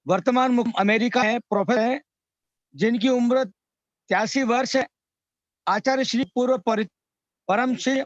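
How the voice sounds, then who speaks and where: A man making a formal, halting announcement as a webinar participant, his audio choppy and breaking up over an online call. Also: very high voice, dry recording, muffled recording. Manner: honorific, halting delivery with restarts.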